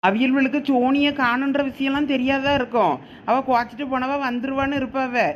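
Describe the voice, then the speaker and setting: High-pitched woman with a Thoothukudi accent. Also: steady tone, brisk, dull audio, a little hiss or hum. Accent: Thoothukudi Tamil. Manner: coaxing, reassuring village speech. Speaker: cartoon voice actor.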